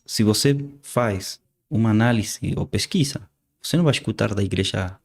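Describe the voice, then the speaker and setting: A man from Argentina with an Argentine Spanish accent, a native Spanish speaker who talks earnestly and haltingly, repeating words as he preaches in an interview. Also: on the low side, vocal fry, husky. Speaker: guest preacher.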